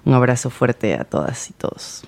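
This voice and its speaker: A trans singer-songwriter with a Peruvian accent, introducing themselves and a song on the radio in a soft, halting way with many pauses. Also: medium pitch, expressive, vocal fry. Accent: Peruvian Spanish. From Peru.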